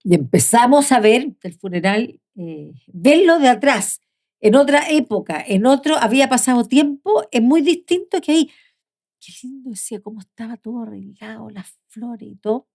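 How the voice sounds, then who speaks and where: An older woman, telling heartfelt stories as an interview guest, her voice often dropping soft. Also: fairly high pitch, animated, moderate pace. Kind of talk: conversational interview.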